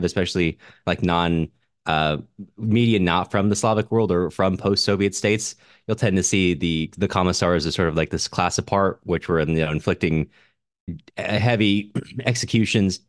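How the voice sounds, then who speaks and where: Very deep-voiced man co-hosting a podcast. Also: no echo, studio quality. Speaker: podcast co-host. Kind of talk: casual book discussion, reading out listener comments.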